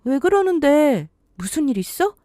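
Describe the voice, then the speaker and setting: A young bride-to-be, read by a woman storyteller who sounds puzzled and anxious, asking question after question. Her pitch sits higher than the narration and jumps around, recorded close and dry. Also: very animated, moderate pace, dark tone, no echo.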